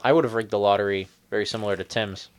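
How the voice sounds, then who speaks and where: This young man co-hosts a casual chat and keeps up a wry, teasing tone with his friends. His voice sits a little on the low side. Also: fairly even intonation, rapid-fire. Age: 20s.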